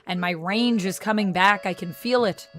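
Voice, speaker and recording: On her live stream, a woman chats casually, reading chat messages aloud and answering viewers while she recovers from vocal strain. Her mid-range voice moves at a moderate pace, with faint music in the background.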